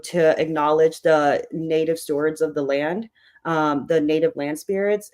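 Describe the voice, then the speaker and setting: Hoarse host kicking off an online book club, chatty and rambly, kinda worn out voice. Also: medium pitch. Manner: chatty, loose, with many fillers. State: hoarse, voice tired. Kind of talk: casual opening of an online book club meeting.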